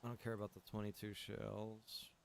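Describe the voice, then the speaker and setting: A man's voice: lowish voice, monotone, moderate pace, gravelly, slight background noise. Rambling, informal man streaming a game. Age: adult, past early twenties. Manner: rambling, informal, circles back and repeats phrases. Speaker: game streamer and server owner. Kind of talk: casual livestream chat while gaming.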